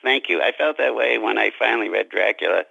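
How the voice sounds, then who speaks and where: A man with a heavily creaky, low voice speaks as an interview guest. He is courteous and a little formal, often self-deprecating. The sound is dry and band-limited like radio, with music behind. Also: fairly quick, pushed and bright, no room sound, lo-fi sound. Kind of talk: conversational interview.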